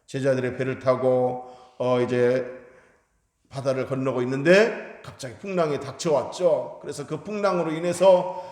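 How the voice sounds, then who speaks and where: A man preaching a Sunday sermon in a church sanctuary, earnest, his voice swelling loud on points of emphasis. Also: mid-range voice, steady tone, normal speed. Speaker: pastor. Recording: echoey hall reverb.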